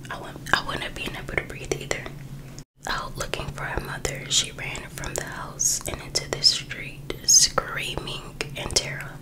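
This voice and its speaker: Whispering woman reading ASMR, very slow. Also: rough recording. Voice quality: breathy unvoiced whisper. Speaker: ASMR creator.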